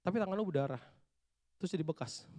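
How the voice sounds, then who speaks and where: A male youth pastor preaches in casual street slang. He swings between low, hushed asides and sudden shouted bursts, talking straight to a young crowd in a church. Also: expressive, fast. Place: church hall.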